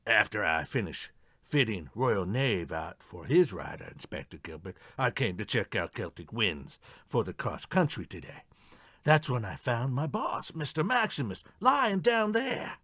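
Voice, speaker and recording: A man's voice: lowish voice, sing-song, unhurried, sharp tone, no room sound, clean studio sound, full character voice. A man acting a stubborn, defensive horse trainer in an audio mystery play, respectful but defiant. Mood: nervous, evasive. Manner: defensive, addresses superiors respectfully.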